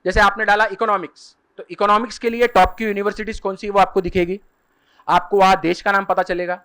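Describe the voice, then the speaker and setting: A man with a fairly high voice lectures a seminar audience on study options. He explains step by step, slowing down to spell out and repeat the key terms. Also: flat delivery, fairly bright tone, smooth. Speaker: career guidance speaker. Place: seminar hall.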